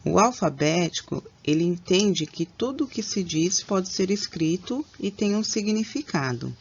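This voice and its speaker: A woman's voice: on the low side, lively intonation, husky, highs cut off. Woman reading a teacher-training talk. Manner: measured, explanatory. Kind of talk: reading prepared training presentation.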